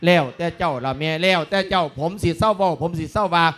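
A man's voice: high-pitched, fast talker, very noisy, lightly acted. A man with an Isan accent playing a grown son who pleads earnestly and respectfully with his mother, in a folk sermon drama. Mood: pleading.

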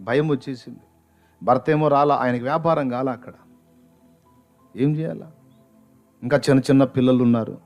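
Pastor man, sermon story, goes loud then hushed, soft music under. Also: fairly even intonation, normal speed, pauses often, lo-fi sound. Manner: dramatic, swinging between loud outbursts and hushed lows. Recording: faint background music.

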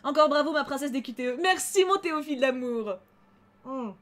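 A young woman narrating her own game playthrough in lively, chatty commentary. Her voice sits high, and she swings readily into excited squeals and groans. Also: fairly quick. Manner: excitable, chatty, emotional reactions. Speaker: gaming channel host. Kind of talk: let's play commentary.

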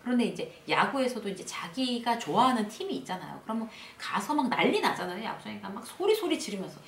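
A woman host giving a casual spoken lesson on workplace confidence, acting out upbeat self-talk in a lively way. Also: mid-range voice, fast, echoey room, far from the mic, a little hiss or hum. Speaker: workplace lecturer and channel host.

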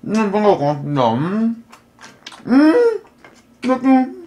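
A man's voice: sits high, huge pitch swings, very fast, warm tone, lo-fi sound. A man streaming a mukbang, talking casually with his mouth full and murmuring between bites. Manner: mumbled, murmuring with food sounds. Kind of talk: casual eating broadcast chat.

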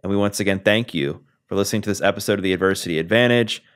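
A man in his thirties hosting a podcast interview, relaxed and casual with many filler words, on a studio mic. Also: on the low side, racing, clear, resonant tone. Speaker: podcast host. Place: small room, video call. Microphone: studio mic on boom arm with headphones.

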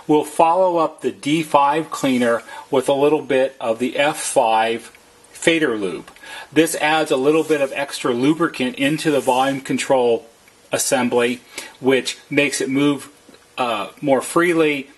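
Speaking at medium pitch with a slight huskiness, a man walks through a how-to as a service technician. His explanation is plain, methodical, and step by step.

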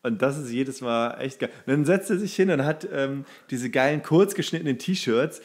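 A male podcast co-host speaks in a mid-range pitch. He keeps things casual and colloquial, with a dry way of chipping in. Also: moderate pace. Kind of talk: casual chat.

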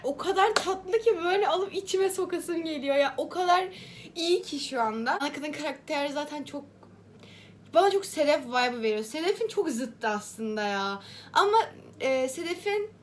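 A woman book vlogger talking casually and expressively to her viewers during a reading marathon. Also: slight background noise. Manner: chatty and highly expressive, addressing viewers as friends.

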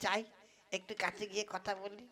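A woman voicing a slightly foolish young boyfriend, halting and placating, in a comic puppet play. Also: medium pitch, flat delivery, close to an everyday voice.

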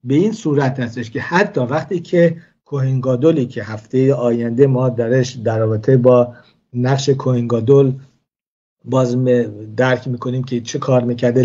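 Male religious teacher, measured and hesitant delivery, husky tone, dull lo-fi sound. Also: medium pitch, warm tone. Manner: measured explaining, frequent hesitations. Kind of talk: weekly Torah lesson.

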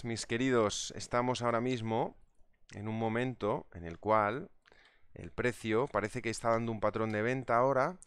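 Chatty man, smooth low voice. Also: a bit bright, dry recording. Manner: chatty, reads out viewer comments. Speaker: trading instructor. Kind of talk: live market analysis webinar.

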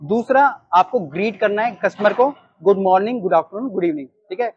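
A man in his thirties with an Indian accent, teaching restaurant staff how to take orders in an animated way. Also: high-pitched, a little fast, husky, muffled recording. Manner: animated, gestures while reading from a sheet. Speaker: restaurant trainer. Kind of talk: training talk. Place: storefront of a small takeaway, outdoors. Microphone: lapel mic.

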